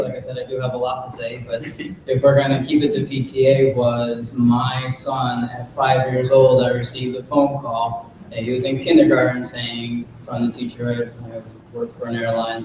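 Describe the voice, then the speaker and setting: A chatty man of Cuban heritage tells his own story with quick, joking asides. His voice sits at an everyday pitch and sounds far from the mic, in a very echoey hall. Light room noise runs underneath. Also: a little mellow. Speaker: panel speaker, parent. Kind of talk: personal story at a symposium.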